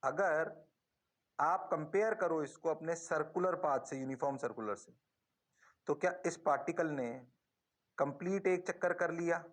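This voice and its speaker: A male physics teacher giving a lesson, coaxing his students with rapid-fire questions that he answers himself and slipping English phrases into his explanations. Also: on the high side. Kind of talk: classroom lesson.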